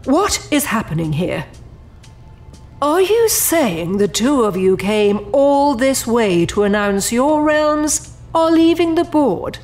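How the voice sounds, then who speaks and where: A woman's voice: high voice, sing-song, takes it slowly, a little mellow, soft background music, full character voice. A woman playing a proud, formal, defensive overseer of an infernal project in an audio drama, with haughty, precise diction. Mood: indignant.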